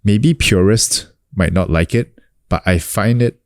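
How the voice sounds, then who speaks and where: Deep-voiced man from New Zealand, casual. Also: unhurried, no echo, studio quality. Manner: relaxed, many fillers and restarts. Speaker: guest, actor and coach. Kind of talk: casual sit-down interview.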